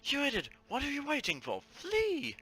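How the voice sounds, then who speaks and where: A man voicing a desperate, furious young woman in an amateur read-aloud of a visual novel, urgent and shouting. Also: wildly swooping pitch, normal speed, heavily acted. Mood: frantic. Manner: urgent, shouting, high-pitched.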